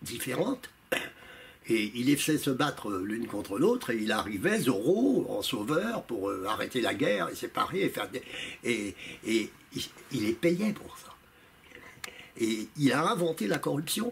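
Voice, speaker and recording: A man speaks at a fairly slow pace with long, frequent pauses and very wide pitch swings, with light background noise behind him. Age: 70s. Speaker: former journalist and political activist. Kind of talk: interview answer. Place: home room.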